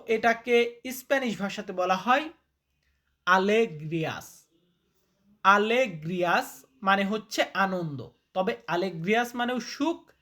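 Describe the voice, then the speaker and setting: A male language teacher talks viewers through a word list at a slow, measured pace. He drills every term by repeating it and quizzing the listener, and he speaks informally and directly, like a friend explaining things. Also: high voice, sharp tone. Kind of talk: spoken vocabulary lesson.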